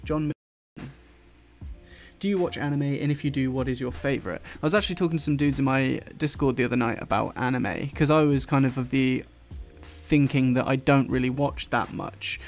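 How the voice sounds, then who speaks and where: A man with an English accent softened by London, chatting casually and rambling while he draws, swearing now and then and dropping his t's. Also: medium pitch, brisk, few pauses, faint music behind. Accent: English, London-influenced. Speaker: YouTuber drawing on stream. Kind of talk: casual chat while drawing.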